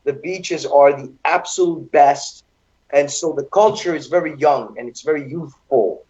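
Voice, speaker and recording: A man's voice: fairly high pitch, a little slow, dark tone, highs cut off. A man born in Hungary and raised in Seattle, a talk show guest who speaks chattily and with enthusiasm.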